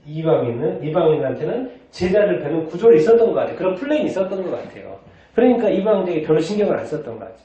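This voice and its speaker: Speaking very fast with few pauses, a male pastor with a high-sitting, mellow, very animated voice preaches in a church sanctuary. He questions the congregation and then answers himself, captured in a distant, echoey, dull church recording.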